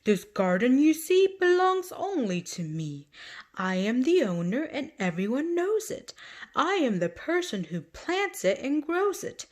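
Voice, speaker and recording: A woman voicing a proud male gardener who boasts loudly that the garden is his alone. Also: high voice, very animated, unhurried, pitched above the performer's own voice. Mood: boastful. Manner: loud, boastful.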